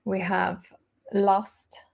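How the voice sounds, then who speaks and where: A woman hosting a live tarot stream, laying out cards and thinking aloud with hesitant pauses. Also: medium pitch, level tone, gravelly. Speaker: tarot reader host.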